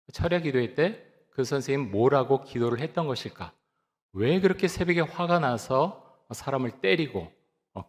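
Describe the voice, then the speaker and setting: A man in his fifties, a pastor giving a sermon in a church, telling a personal story calmly and reflectively, often pausing with "ah" and "uh". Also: medium pitch. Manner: calm, reflective storytelling with frequent "ah" and "uh" fillers. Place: church sanctuary. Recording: long hall reverb.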